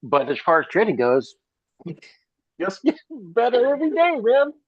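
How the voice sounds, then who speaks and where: A man's voice: high-pitched, moderate pace, dry recording, highs cut off. A man chatting casually and cheerfully as a member of a trading group. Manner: upbeat, animated, folksy. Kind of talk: casual chat.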